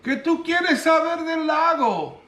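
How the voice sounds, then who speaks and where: A man's voice: very high voice, expressive, takes it slowly, pushed and bright, pitched above the performer's own voice, exaggerated voice. A man voicing a tall, white-haired older American man who keeps calling out to him from a distance. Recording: roomy echo.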